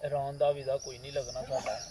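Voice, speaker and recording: A man's voice: medium pitch, flat delivery, fast, over a noisy crowd, lightly acted. A man with a Pakistani Punjabi accent playing a pushy village man in an amateur drama, who keeps demanding to be heard. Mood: urging. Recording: voice from a distance.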